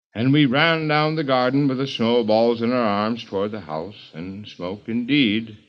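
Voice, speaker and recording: In a normal speaking voice, a man talks at a fairly slow pace with lively intonation. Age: young. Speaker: actor. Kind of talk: reading aloud.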